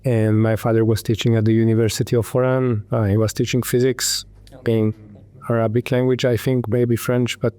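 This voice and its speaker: A man from Hungary in his thirties, a tech entrepreneur telling his story in an interview, halting with many ums and restarts. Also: mid-range voice, flat delivery, mellow, smooth, no echo.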